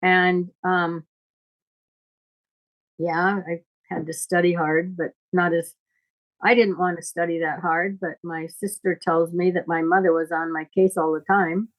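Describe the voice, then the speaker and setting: A woman's voice: fairly low pitch, level tone, a little slow, rough recording. An older woman talking off the cuff like a teacher in conversation, blunt and probing. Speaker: astrologer giving teachings.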